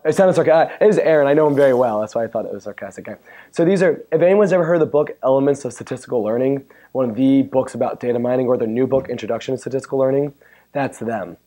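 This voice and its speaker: A man with a hoarse, worn-out voice giving a chatty, joking technical talk at a conference and bantering with the audience. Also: mid-range voice, rapid-fire, warm tone. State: hoarse, losing his voice. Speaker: conference speaker. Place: conference room. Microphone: handheld or stand mic.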